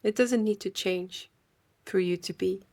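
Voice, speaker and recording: A woman leading a guided meditation in a gentle, unhurried way, leaving long pauses. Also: medium pitch.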